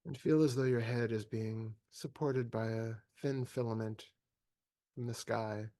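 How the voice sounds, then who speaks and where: A man leading a guided meditation as a teacher, speaking calmly and in measured phrases with long pauses. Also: medium pitch, dry recording, clean studio sound.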